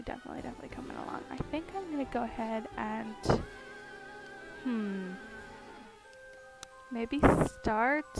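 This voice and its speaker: A woman's voice: on the high side, rough recording. A woman chatting casually on a live stream while she carves, with a groggy morning voice, giggling, rambling and humming to herself. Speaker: streamer carving pumpkins. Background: music playing in the background.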